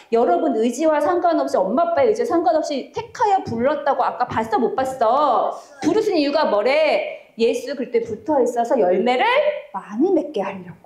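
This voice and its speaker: Noticeable background noise and audible room echo surround a woman speaking at a moderate pace in an animated tone, her high pitch swinging very widely while her loudness stays very even. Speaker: children's pastor. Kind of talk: sermon.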